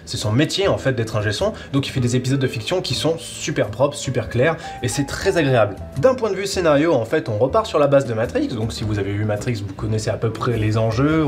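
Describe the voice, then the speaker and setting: Male presenter, medium pitch, informal and keen review talk over a music bed. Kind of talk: casual review of an audio series.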